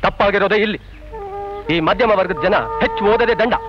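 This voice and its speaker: A man's voice: sits high, fairly even intonation, quick pace, natural voice. An actor playing an earnest young man who lectures his friends. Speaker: jobless idealist friend. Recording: dull old film soundtrack with music.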